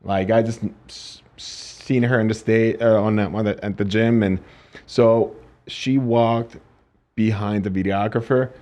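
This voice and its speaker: Man, Finnish accent, low voice, fitness trainer, hesitant, casual podcast guest. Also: fairly even intonation, dark tone. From Finland. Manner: halting, hesitant storytelling. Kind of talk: casual interview chat.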